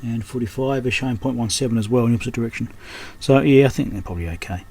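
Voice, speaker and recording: At an indoor electronics repair workbench, a technician and host thinks aloud in unscripted, muttered fragments as he works. His mid-range voice is very fast and mellow, with a breathy edge.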